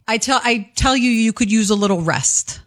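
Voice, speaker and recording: A woman's voice: on the high side, normal speed. A woman who has long produced the show, in casual chat, chiding and protective as she talks back to the host.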